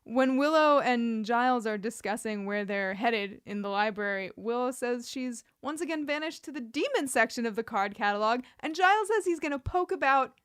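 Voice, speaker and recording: Very high-voiced, wry woman. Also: animated, moderate pace, few pauses, a bit bright, smooth, no room sound, clean studio sound. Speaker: podcast co-host. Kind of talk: casual, chatty TV episode recap.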